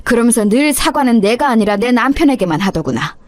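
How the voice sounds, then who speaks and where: A woman's voice: a little high, big pitch swings, a little fast, dry recording. A woman voicing an older stepmother-in-law who lectures and scolds with indignant outrage, for a radio story drama.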